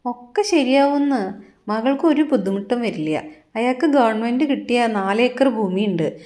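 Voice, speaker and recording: A woman's voice: fairly high pitch, animated, moderate pace, a little mellow, natural voice. A woman doing a boastful old village matchmaker. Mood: reassuring.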